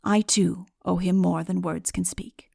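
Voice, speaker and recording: A noble knight of fairy tale, read by a woman. The voice is subdued and mellow, grave but gentle, with slow, formal courtly phrasing. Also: on the low side, steady tone, gravelly, dry recording, studio quality, heavily acted. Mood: gracious, grave.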